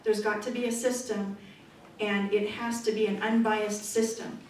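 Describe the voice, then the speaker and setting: A middle-aged woman speaking as a political candidate at a forum, loud and forthright in a conversational way. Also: mid-range voice, little pitch movement, normal speed. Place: meeting room. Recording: echoey room from far off, noisy.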